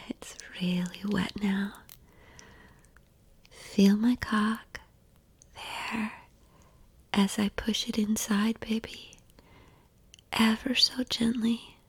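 A woman whispers very slowly in a breathy, mellow voice, soft and coaxing throughout. The sound is close and dry, with no room around it. She keeps her tone steady and reassuring in an intimate roleplay. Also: mid-range voice, no room sound.

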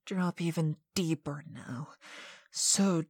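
A woman performs a scripted hypnotic monologue in the role of a domineering mistress, sounding sweet but stern. Her low voice is commanding and deliberate, slipping into breathy whispers at times, with some background noise.

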